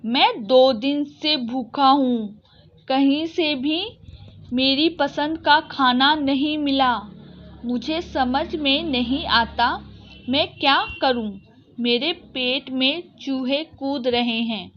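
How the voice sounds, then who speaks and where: A woman's voice: high voice, slow pace, muffled recording. Woman doing a hungry grumpy lion. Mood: complaining. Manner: demanding, growling refusals. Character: grumpy hungry male lion who growls.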